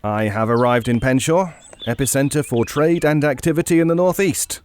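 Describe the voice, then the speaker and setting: A man's voice: mid-range voice, moderate pace, a little mellow, close to an everyday voice. An actor playing a chatty English male podcast investigator in a naturalistic audio drama, casual and slightly hesitant. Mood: wry.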